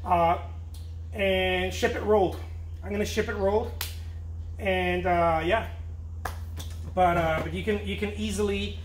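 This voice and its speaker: High-voiced man rambling in an echoey studio. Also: steady tone, unhurried, pauses often, a little hiss or hum. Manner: rambling, repeats and restarts phrases. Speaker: painter. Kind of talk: casual talk to camera while painting. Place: large studio with an open big door. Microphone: camera at a distance. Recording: roomy studio echo, faint ambience.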